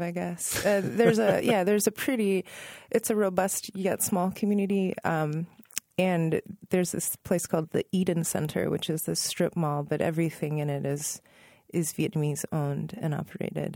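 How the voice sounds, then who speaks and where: A woman in her thirties from Northern Virginia, a musician answering interview questions in a relaxed, thoughtful way, pausing and correcting herself and laughing softly. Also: on the low side, vocal fry, dry recording, clean studio sound. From Northern Virginia, USA. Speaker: musician guest.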